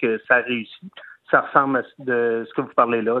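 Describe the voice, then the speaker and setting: A man's medium-pitched voice with a Quebec accent. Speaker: mayor. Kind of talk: interview.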